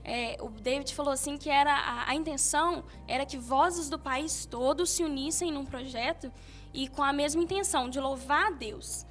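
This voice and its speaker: A young woman from Minas Gerais with a Mineiro accent, a guest singer telling her story with animated, laughing self-quotes. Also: high-pitched, moderate pace, soft background music. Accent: Mineiro Brazilian Portuguese. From Minas Gerais, Brazil. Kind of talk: casual interview chat.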